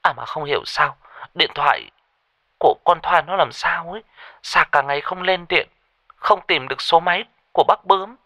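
A man's voice: a little high, moderate pace, bright, forceful tone, dry recording, voice pushed up. A man voicing a terrified young woman who stammers and pleads over the phone in a ghost story. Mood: frightened. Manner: stammering, panicky, breathless pleading.

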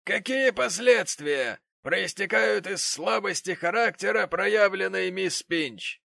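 Pompous wealthy father in an audiobook, voiced by a male reader: lofty, indignant, slow, dry close sound. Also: high voice, vocal fry, sharp tone, no room sound, pitched above the performer's own voice, exaggerated voice. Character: pompous rich middle-aged father, a brass founder. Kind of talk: audiobook character reading.

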